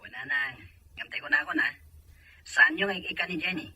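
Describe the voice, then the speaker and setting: An earnest soldier son with a Filipino accent played by a man, calling home in an audio drama. His voice is husky yet very sharp and dry, through a telephone effect. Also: a little high, a little fast, no echo, full character voice. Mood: pressing. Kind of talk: Ilocano audio drama acting.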